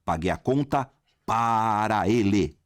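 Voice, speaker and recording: A man with a Brazilian Portuguese accent teaching a lively exam-prep grammar lesson, talking straight to his viewers and asking himself questions. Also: fairly low pitch, slow pace, no echo, clean studio sound. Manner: animated, addresses viewers as "galera", asks himself questions.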